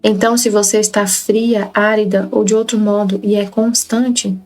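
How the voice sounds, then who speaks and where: A woman's voice: mid-range voice, flat delivery, moderate pace, darkish tone, poor audio. A woman with a Brazilian Portuguese accent, reading devotional writings aloud and explaining them earnestly, repeating phrases for emphasis. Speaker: Catholic study group leader.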